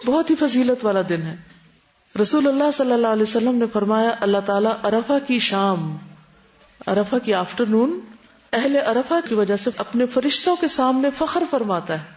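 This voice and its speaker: A woman giving a religious lecture as an Islamic teacher, explaining step by step and checking that listeners follow with quick questions. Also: on the high side, darkish tone. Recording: dull lo-fi recording.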